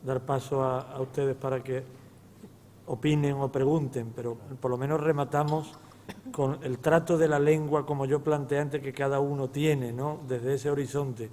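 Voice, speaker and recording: A man moderating a round-table discussion, briskly managing the time. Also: mid-range voice, little pitch movement, a little mellow, slight background noise. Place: large historic hall. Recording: reverberant hall, faint ambience.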